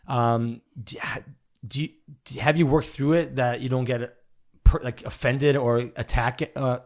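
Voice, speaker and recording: A man in his thirties hosting a casual interview, rambling through his questions with many restarts. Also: medium pitch. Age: 30s. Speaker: podcast host.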